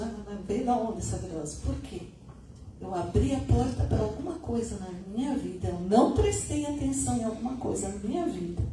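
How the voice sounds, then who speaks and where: A middle-aged woman giving a conversational spiritist lecture, her voice still a little hoarse. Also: medium pitch, recorded from a distance. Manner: conversational, adds tag questions. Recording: echoey room, recorded from afar, noisy.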